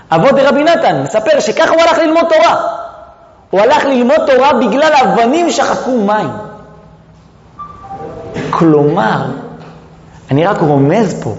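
A man giving a lively Torah lesson, quizzing his listeners with rhetorical questions and joking asides. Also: high-pitched, a little hiss or hum. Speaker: Torah teacher. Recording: echoey hall, muffled sound.

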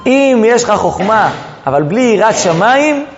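A man teaching a lesson on religious texts, animated, drawing out words for emphasis as he tells the stories. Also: high-pitched, slight background noise. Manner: animated, drawn-out emphasis, storytelling. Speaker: Torah teacher. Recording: dull recording in echoing hall.

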